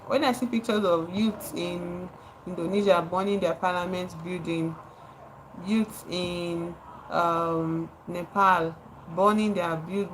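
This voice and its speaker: A woman's voice: fairly low pitch, noisy background. Impassioned Nigerian woman livestreaming. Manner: impassioned, repeats words for emphasis, greets chat viewers. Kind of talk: live stream commentary.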